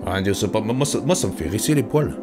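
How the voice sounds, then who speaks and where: A man's voice: lowish voice, lively intonation, quick pace. A young man from Savoie with a Savoyard French accent, chatting casually as a music producer, rambling and stammering with joking asides. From Savoie, France. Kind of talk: casual music-making vlog.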